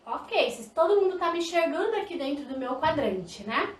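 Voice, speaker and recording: Mulher brasileira de voz aguda, ensinando em live. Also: female voice, high-pitched, moderate pace, reverberant, far from the mic. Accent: Brazilian Portuguese. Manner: lively, demonstrative, talks to viewers directly. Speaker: sign language teacher. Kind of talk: live online lesson. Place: indoor room, live stream.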